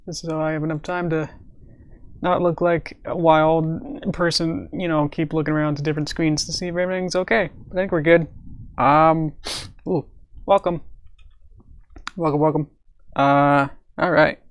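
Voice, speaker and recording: A man live-streaming from home at his computer, talking in a rambling, stop-start way with a raspy voice while coming down with a cold. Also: fairly high pitch, little pitch movement, moderate pace, long pauses, no room sound. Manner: rambling, with many fillers and stammered restarts. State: coming down with a cold, sore throat. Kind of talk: casual live-stream chat.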